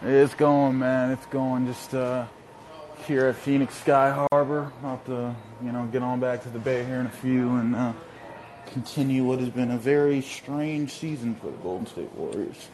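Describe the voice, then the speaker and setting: A man talking over a video call from an airport terminal, giving a steady sports reporter's analysis with frequent fillers. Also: medium pitch, moderate pace, slight background noise, low-quality recording. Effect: heard over a video call. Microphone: laptop or phone on a video call.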